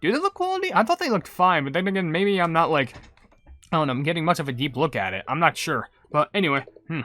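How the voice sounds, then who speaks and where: A man's voice: fairly high pitch, very animated, quick pace, a bit bright. A man hosting a gaming video, commenting casually and reading out viewer comments.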